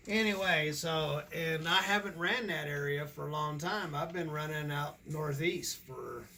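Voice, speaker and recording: A man's voice: on the high side, creaky, background noise. An American man in his sixties, a trucker chatting casually in a folksy, rambling way. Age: 60s. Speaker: owner-operator trucker and vlogger. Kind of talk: casual chat on a phone call and to camera.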